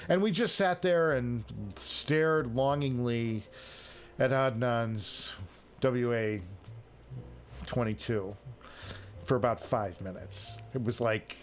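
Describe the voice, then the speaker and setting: A man hosting a casual livestream, chatting with viewers in a self-deprecating, joking way. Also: medium pitch. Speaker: livestream show host. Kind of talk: casual chat answering viewers' live comments.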